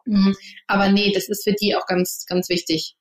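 A woman's voice: medium pitch, flat delivery, moderate pace. Woman founder in her thirties, first language English; thoughtful, hesitant delivery with ums and restarts; room echo on the track. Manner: thoughtful, many fillers and restarts. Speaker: interview guest, company founder. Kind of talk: casual interview talk. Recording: roomy echo.

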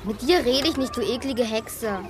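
Woman as a high, spiteful schoolgirl. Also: normal speed, natural voice. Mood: hostile, defiant. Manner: spiteful, defiant. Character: prickly, hostile outcast schoolgirl snapping insults. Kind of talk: German children's audio drama acting.

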